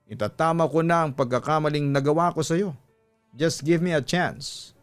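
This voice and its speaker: A man's voice: on the high side, soft background music, close to an everyday voice. A man playing a desperate, apologetic cheating husband. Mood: earnest. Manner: pleading, drawn-out English phrases mixed with Tagalog.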